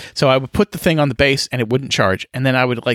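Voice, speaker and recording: With an animated tone and medium pitch, a man speaks at a very fast pace in a very clean recording with a silent background and a dry, close sound with no echo. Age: 50s. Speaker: podcaster. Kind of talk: casual monologue.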